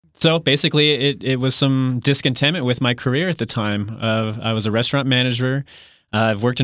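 A plain, everyday voice from a man with an American accent, medium pitch, fairly even intonation and a fairly quick pace. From Montana. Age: 30s. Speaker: personal trainer. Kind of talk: podcast interview.

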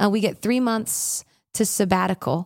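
Dry and close with no echo, this recording has a woman speaking at a medium pitch. She has a plain, everyday voice and a moderate pace. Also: very clean recording, silent background. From US South, Memphis, Tennessee. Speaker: worship pastor. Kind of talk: casual chat. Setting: live recording at summer camp.

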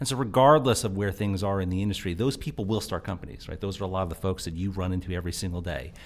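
A man with an American accent and a very deep, low pitch talks very fast with hardly any pauses and ordinary pitch variation. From New York (Flushing, Queens). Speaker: startup CEO. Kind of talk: interview.

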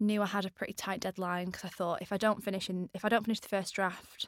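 A woman talks at a very fast pace in a medium pitch with monotone, flat intonation. The recording is very clean and dry, close with no echo, with a silent background. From Lancashire, northern England. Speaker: novelist. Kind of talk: casual chat.

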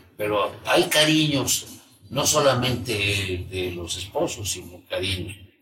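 Audible room echo surrounds a man speaking at a very slow pace. His fairly low pitch moves with lively intonation. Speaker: retiree. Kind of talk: interview. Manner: halting.

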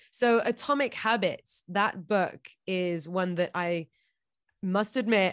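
This woman has a normal speaking voice with a medium pitch and ordinary pitch variation. She talks at a fairly slow pace. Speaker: podcast host. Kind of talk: casual interview chat.

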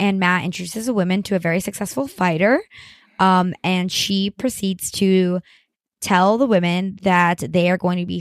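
At a fairly slow pace, a woman talks in an ordinary speaking voice. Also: dry, close sound with no echo. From US South, Miami, Florida. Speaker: podcast co-host. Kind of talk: casual chat. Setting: video call.

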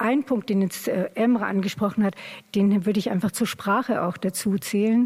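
Speaking at a moderate pace, a woman with a somewhat breathy, medium-pitched voice keeps her loudness very even and her intonation fairly even. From East Germany. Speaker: theatre director. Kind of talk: casual chat.

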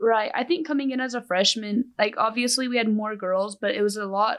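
A woman talks in an unremarkable speaking voice with an American accent. Her fairly high pitch shows ordinary variation at a moderate pace. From Texas, Amarillo. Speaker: college soccer player. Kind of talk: casual chat.

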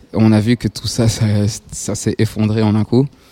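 This man has a fairly low pitch and a dark, mellow tone. The recording is dry and close, with no echo. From Rwanda. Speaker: soul musician. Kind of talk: radio interview. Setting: festival live radio booth.

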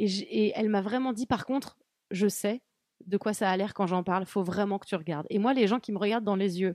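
Recorded very cleanly over a silent background, a woman speaks at a medium pitch and moderate pace, the sound dry and close with no echo. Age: 20s. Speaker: actress and screenwriter. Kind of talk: casual chat. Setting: live stream.

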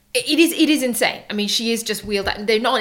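A woman with a British accent speaks at a very fast pace. Her pitch is fairly high, with ordinary pitch variation. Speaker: podcast host. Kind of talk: casual banter chat.

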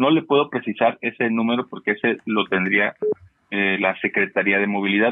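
A man with a normal speaking voice talks at a moderate pace and very even loudness, his fairly low pitch showing ordinary variation. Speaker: transit official. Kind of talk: interview.

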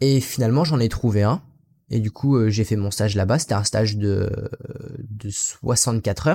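A somewhat breathy man's voice, dark and mellow, at medium pitch with ordinary pitch variation and a fairly slow pace. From France. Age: 20s. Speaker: teacher. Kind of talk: casual interview.

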